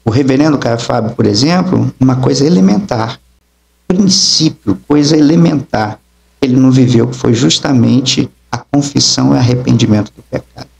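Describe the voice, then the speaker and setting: A man's voice: mid-range voice, moderate pace, creaky, a little mellow. A middle-aged man, an apostle and preacher, telling his testimony emphatically in an interview and acting out the dialogue. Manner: emphatic storytelling, acts out dialogue.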